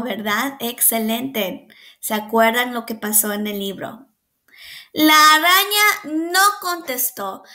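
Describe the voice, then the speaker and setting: A woman preschool teacher reads a picture book aloud at an unhurried pace, pausing to quiz her young listeners and praise their answers. Her voice sits high and sounds bright and crisp. She sounds out the animal noises with lively energy. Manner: patient, asks the children questions and praises them.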